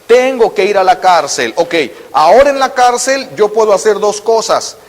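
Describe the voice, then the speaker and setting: A man's voice: high-pitched, lively intonation, moderate pace, long reverb tail. A man preaching a sermon, telling stories and acting out the voices in them. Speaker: priest.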